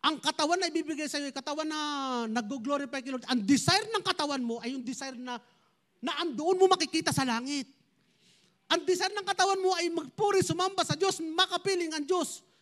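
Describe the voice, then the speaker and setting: Man, pastor, sermon, very high pitch, talks right to the congregation. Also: brisk, a bit bright. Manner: switches between Tagalog and English, addresses congregation directly.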